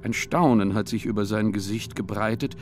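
A man narrating a written story in a measured, descriptive way. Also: on the low side, a little mellow, soft background music.

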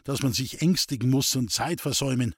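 A man voicing a hot-tempered young farmer's son who talks in Bavarian dialect, urgent and hoarse as he barks orders. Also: mid-range voice, a little fast, dry recording, clean studio sound. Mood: angry. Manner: urgent, commanding, hoarse shouting.

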